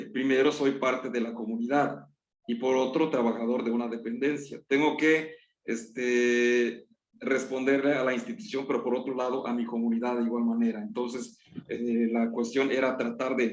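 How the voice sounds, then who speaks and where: Speaking at a moderate pace with a Yucatán accent, a man uses a medium pitch and fairly even intonation. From Yucatán, Mexico (rural Maya community near Izamal). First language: Yucatec Maya (speaking Spanish). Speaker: Maya interpreter and cultural promoter. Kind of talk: panel talk on personal experience. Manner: halting, many fillers.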